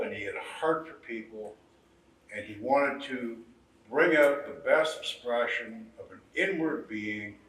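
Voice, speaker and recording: A man, a bead artist and mentor, speaking slowly and reflectively to a gathered group, with pauses and repeats. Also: mid-range voice. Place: indoor exhibit hall. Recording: roomy, from far off the mic.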